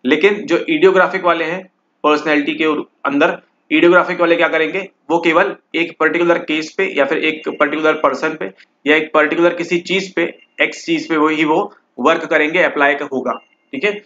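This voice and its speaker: A man's voice: on the high side, steady tone, moderate pace, a bit bright. A man teaching exam questions, mixing English into Hindi and constantly checking in with the listener as he explains. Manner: repeats "ठीक है" constantly, mixes English and Hindi. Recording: slightly dull lo-fi audio.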